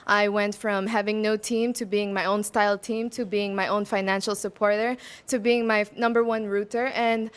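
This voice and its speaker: A woman's voice: medium pitch, level tone, normal speed, hardly any pauses, clean tone. A woman in her twenties who grew up in Macau, answering pageant interview questions in a bubbly way, laughing between answers and mixing in Tagalog words. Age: 20s. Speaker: pageant candidate.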